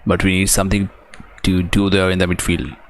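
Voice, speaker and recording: The host's delivery is flat and a little fast as he streams a football game live. He has a very low voice and a South Asian accent, calling action in short, clipped phrases alongside casual viewing comments, with a little hiss or hum audible.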